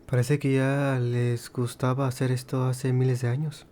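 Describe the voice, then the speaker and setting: A man's voice: medium pitch, flat delivery, normal speed, dark tone, a little hiss or hum. A native Spanish-speaking man hosting a let's play, commenting casually on the game. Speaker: gaming video host.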